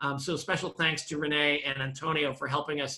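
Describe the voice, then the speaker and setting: Against a quiet background, a man speaks at a moderate pace in a monotone, flat intonation. His voice is fairly high, with a bright, sharp tone. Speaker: consulting firm head hosting webinar. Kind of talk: webinar presentation. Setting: video call. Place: home room. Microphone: webcam.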